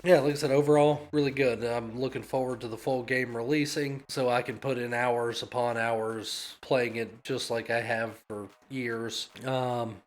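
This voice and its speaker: A man in his thirties, nasal from a cold, giving a blunt, profane opinion of a video game. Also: mid-range voice. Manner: blunt, swears often, dismissive of complainers. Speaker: gaming YouTuber. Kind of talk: casual opinion rant.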